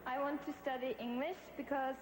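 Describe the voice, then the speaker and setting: A woman's voice: high voice, steady tone, brisk. A young woman, answering interview questions hesitantly as a pageant contestant. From Norway. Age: 20s. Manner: hesitant, searching for English words. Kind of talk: live on-stage interview. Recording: echoey hall with long reverb and noise.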